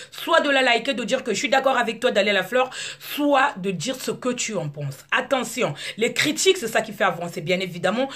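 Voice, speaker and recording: A woman in her thirties from Congo, whose first language is Lari, talking to her viewers in an outspoken monologue with frequent halting restarts. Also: mid-range voice, a bit bright. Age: 30s. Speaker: video blogger. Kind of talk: casual monologue to camera.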